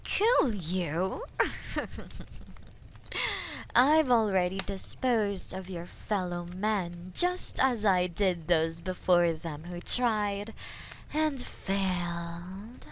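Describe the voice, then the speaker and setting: A woman voicing a haughty, menacing female dragon in a fantasy audio roleplay, taunting and condescending, with a breathy voice that often drops toward a whisper. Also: mid-range voice, expressive, a little hiss or hum. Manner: taunting, condescending, theatrically slow and deliberate. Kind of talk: scripted fantasy audio roleplay addressed to the listener.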